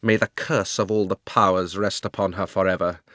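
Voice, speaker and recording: A man's voice: low-pitched, steady tone, a little fast, a bit bright, no echo, clean studio sound. A man voicing a proud, cruel and haughty queen of enormous height, speaking in an imperious, declamatory way.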